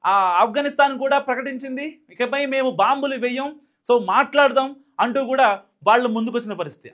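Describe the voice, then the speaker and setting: A man with a Telugu accent giving emphatic, fast-moving political news commentary, with frequent fillers and restarts. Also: very high voice, a bit bright.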